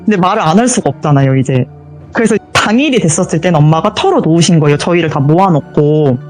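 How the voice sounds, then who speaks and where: A woman's voice: deep voice, lively intonation, fast, a little mellow, faint music behind. A woman telling her own true ghost story as a guest, vividly acting out the voices in it.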